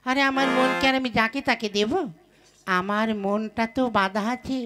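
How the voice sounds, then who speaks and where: A woman voicing the proud young daughter of a rich landlord in a puppet show, scolding and quick to take offence. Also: a little high, soft background music, lightly acted. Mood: scornful. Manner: sharp-tongued, scolding.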